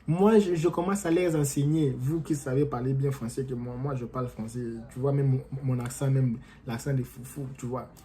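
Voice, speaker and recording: Mellow-voiced man giving motivational talk. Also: medium pitch, normal speed, few pauses. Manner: animated, repetitive, addresses viewers as friends. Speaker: vlogger and coach. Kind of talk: casual motivational talk to camera. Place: living in the United States.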